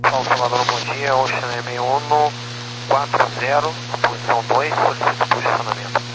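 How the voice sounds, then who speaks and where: A Brazilian-accented man, a pilot, makes radio calls in an average-pitched voice. The crackly transmission is swamped by hum, clicks and loud static. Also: level tone, normal speed. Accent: Brazilian Portuguese. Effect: crackly aircraft radio.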